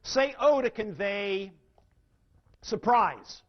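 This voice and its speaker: A man giving a seminar lecture on sales, animated and firing questions at the audience. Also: sits high, extremely slow, muffled recording. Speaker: sales trainer.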